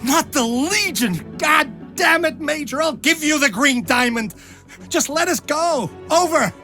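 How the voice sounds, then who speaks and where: High, tense, panicky mercenary. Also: male voice, lively intonation, unhurried, bright, forceful tone, faint music behind, full character voice. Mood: panicked. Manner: frantic, exclamatory, wary. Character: panicky, talkative, cowardly mercenary man. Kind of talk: dramatic video game acting.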